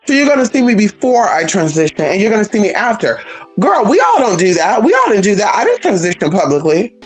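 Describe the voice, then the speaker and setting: A trans woman vlogging a blunt, profane, sassy rant in an emphatic, animated way. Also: mid-range voice, quick pace, soft background music, low-quality recording. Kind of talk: casual vlog rant.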